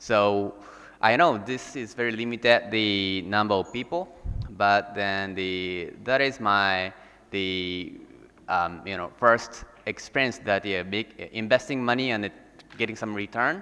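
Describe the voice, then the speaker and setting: Talking at a fairly slow pace, a man with a Japanese accent has a fairly low pitch, a bright, sharp tone and ordinary pitch variation. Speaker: startup founder and CEO. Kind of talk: panel discussion. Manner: halting, many fillers.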